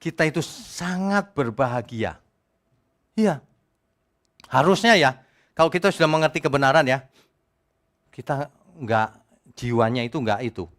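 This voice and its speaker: Animated man preaching a folksy sermon. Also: mid-range voice, a little slow, long pauses. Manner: animated, swings between loud exclamations and quiet asides; folksy, joking, conversational preaching. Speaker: pastor. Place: church service.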